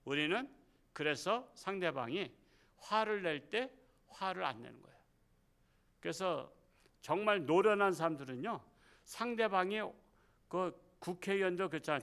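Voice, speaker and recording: A man's voice: sits high, animated, moderate pace, fairly bright tone, smooth. A middle-aged man preaching a Wednesday evening sermon as pastor, talking conversationally and putting rhetorical questions to the congregation. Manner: acts out quoted speech in the sermon. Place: church sanctuary.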